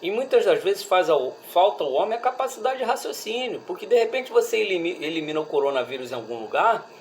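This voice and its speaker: A man with a Brazilian accent giving a religious study talk in a reflective, halting way, often checking in with listeners. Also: sits high, sing-song, a little hiss or hum. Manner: reflective, halting, with frequent rhetorical check-ins. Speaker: speaker at a Spiritist study group.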